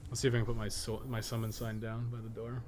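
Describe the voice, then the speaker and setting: A man's voice: fairly low pitch, monotone, fast talker, a little mellow, a little hiss or hum. A man streaming a game, thinking aloud and chatting in a casual, rambling way, muttering to himself and swearing now and then.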